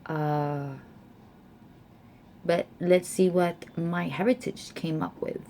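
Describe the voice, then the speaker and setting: Woman vlogger, young adult, casual chat, slow delivery, faint background noise. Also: lowish voice, steady tone, mellow. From United States. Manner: reads results aloud slowly with fillers.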